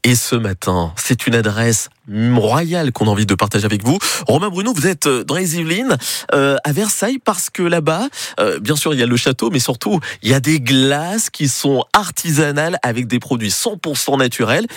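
A man's voice: mid-range voice, big pitch swings, moderate pace, no echo, studio quality. A man presenting a morning radio show, upbeat and announcing traffic and the next segment. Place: radio studio.

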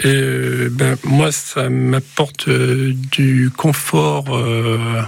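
A man caregiver speaking as a radio interview guest, halting and plain-spoken. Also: medium pitch, flat delivery, creaky, slightly rough.

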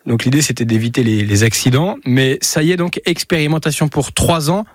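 A man's voice: medium pitch, brisk, no echo, clean studio sound. A man co-hosting a morning radio show, playful and jokey. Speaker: radio co-host.

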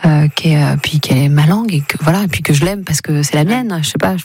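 A woman's voice: sits low, fast, darkish tone, husky, dry recording, clean studio sound. A woman singer-songwriter talking casually in a radio interview, hesitant and full of fillers. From France. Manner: hesitant, many fillers and restarts.

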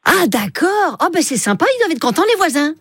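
Bubbly high-voiced woman radio host. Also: very animated, fairly bright tone, no echo, clean studio sound. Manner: chatty, enthusiastic, quick to joke. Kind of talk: lively call-in radio chat. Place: radio studio in a city.

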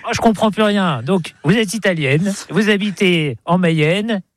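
A man's voice: sits high, unhurried, no room sound, studio quality. A man interviewing a villager for radio, asking playful, teasing questions. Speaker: radio reporter. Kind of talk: street interview.

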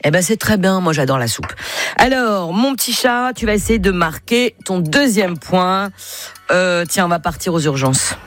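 A woman's voice: lowish voice, animated, moderate pace. A woman with a French accent hosting a radio game show in a familiar, exclamatory, teasing way.

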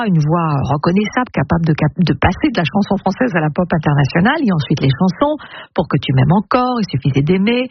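A woman hosting a call-in radio show, chatty, laughing often and leading the caller with questions. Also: lowish voice. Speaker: radio host. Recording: muffled radio broadcast with background noise.

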